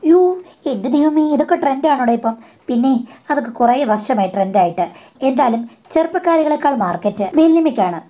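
A woman's voice: high-pitched, animated, brisk, warm tone. A woman in her forties telling a first-person story in a chatty way, acting out the dialogue.

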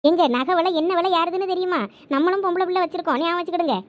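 Speaking at an extremely high pitch and a rapid-fire clip, a young woman trades bickering domestic lines in a village comedy sketch. She has a Thoothukudi Tamil accent.

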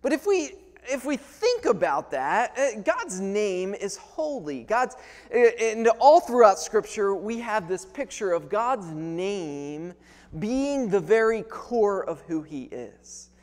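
A man in his thirties earnestly delivers a sermon in a high, sing-song voice at a slow pace, frequently restarting and repeating words. He is in a large indoor church with wooden panelling, picked up on a clip-on lapel mic, and the hall's long reverb carries through the recording.

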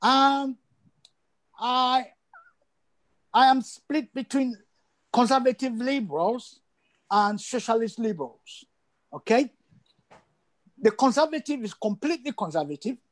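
A man's voice: very high voice, lively intonation, unhurried, long pauses. An older man from Sierra Leone, a guest on a video call interview, speaking emphatically and repeating phrases for stress. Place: indoor room at home.

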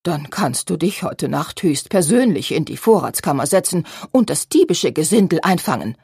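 A woman's voice: low-pitched, sing-song, moderate pace, a little mellow, breathy edge, dry recording, clean studio sound, heavily acted. A woman reading a scolding old grandmother. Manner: agitated, scolding. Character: scolding old grandmother, loud and sharp-tongued.

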